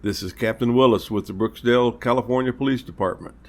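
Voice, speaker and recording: A man playing a polite, reassuring police captain, speaking in a measured, earnest way in an amateur audio drama. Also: medium pitch, close to an everyday voice. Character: courteous, reassuring male small-town police captain.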